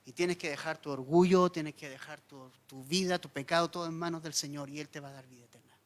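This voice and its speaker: A man preaching a sermon as pastor, telling the story dramatically with wide swings between loud emphasis and hushed lines. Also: fairly high pitch, steady tone, fast. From Chile.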